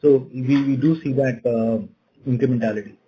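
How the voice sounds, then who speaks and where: Exec guy on earnings call, soft mellow voice, repeats words as he goes. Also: medium pitch, fairly even intonation, normal speed, dull audio. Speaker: company executive answering analysts.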